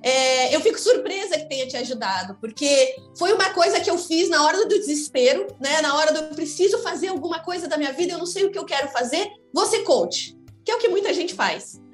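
High-voiced São Paulo woman in an echoey room. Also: animated, fairly quick, faint music behind. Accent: Brazilian Portuguese, São Paulo. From São Paulo, Brazil. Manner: reflective and frank, thinking aloud. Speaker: guest. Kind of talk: candid conversational interview.

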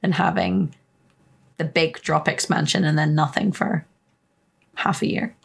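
A woman's voice: sits low, fairly even intonation, unhurried, vocal fry, breathy edge. A woman hosting a gaming podcast in casual chat, laughing often and teasing her guests. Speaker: podcast host.

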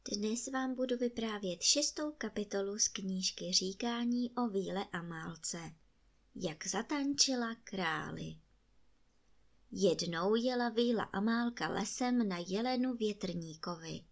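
A woman reads a bedtime fairy tale aloud at a middling pitch. Her narration is calm and expressive. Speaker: storyteller. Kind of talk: reading a bedtime story aloud.

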